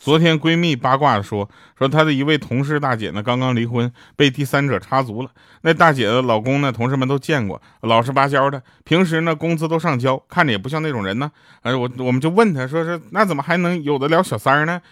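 A young man telling short comic anecdotes in a lively way, jumping up in pitch when he quotes other people. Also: quick pace, no echo, clean studio sound. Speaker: joke teller.

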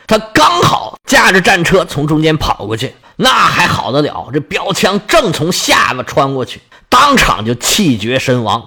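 A man's voice: high voice, sharp tone. A man narrating a story dramatically, making sound effects with his voice.

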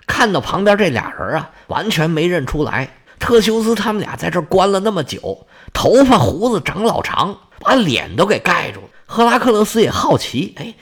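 Brief: husky male storyteller, fairly high, swooping delivery, lively and colloquial. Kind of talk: traditional oral storytelling of a myth.

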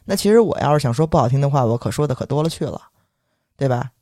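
Young man with a Beijing accent, podcast storyteller, rapid-fire, high-ish voice, dry close sound, indignant and animated. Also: no room sound. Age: young adult. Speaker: podcast co-host. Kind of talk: storytelling casual chat.

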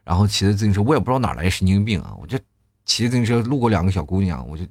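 A man in his thirties reading out viewer comments in casual chat, often shouting quoted lines in exaggerated voices. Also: low voice, expressive, racing, no echo, studio quality. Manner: chatty, acts out quoted lines loudly.

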